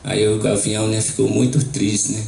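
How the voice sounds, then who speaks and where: A man whose first language is Maxakali, an indigenous teacher on a panel, retelling a traditional story in a slow, halting way, tagging most phrases with a question. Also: on the low side, little pitch movement, gravelly, darkish tone, a little hiss or hum. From Brazil. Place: university lecture hall. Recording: echoey hall.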